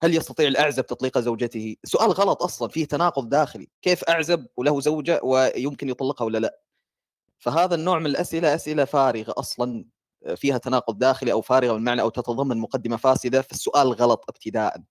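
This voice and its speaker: A man's voice: medium pitch, racing, no room sound, studio quality. A man in a casual online debate, explaining his point step by step.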